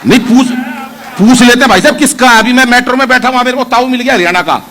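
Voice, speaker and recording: A bright, high-voiced man performs comic stories live before an audience at a poetry gathering. He speaks straight to the crowd, coaxing applause. Faint ambience hangs in the background. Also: fast talker, a little hiss or hum. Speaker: stand-up poet at a poetry gathering. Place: live event venue with an audience.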